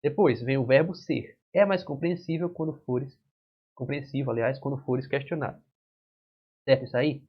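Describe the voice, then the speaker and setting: A man's voice: medium pitch, normal speed, slightly rough. A male exam-prep teacher with a Brazilian accent, walking through verb conjugations at a whiteboard and checking in with students. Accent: Brazilian Portuguese. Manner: explains step by step with frequent "certo?" and "né?" checks. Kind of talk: whiteboard grammar lesson. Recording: dull lo-fi classroom recording.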